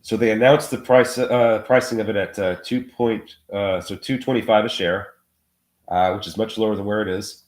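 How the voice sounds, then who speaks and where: A sick man whose voice sounds muffled, as if speaking through a wall, talking about trading in a halting way with many fillers. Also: fairly low pitch, fairly even intonation. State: sick, under the weather. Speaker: regular market commentator. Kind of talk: casual trading talk on a live show. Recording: roomy, muffled remote audio.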